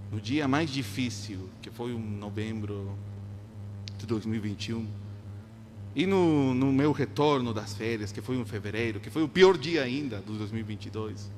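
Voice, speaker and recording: Man preaching in a noisy, echoing hall. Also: fairly low pitch. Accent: non-native, Spanish-influenced Portuguese. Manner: earnest, exhorting, with short phrases and pauses. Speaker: pastor preaching to a congregation. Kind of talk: sermon. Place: large church hall, live before a congregation. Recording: echoing hall with loud background hum.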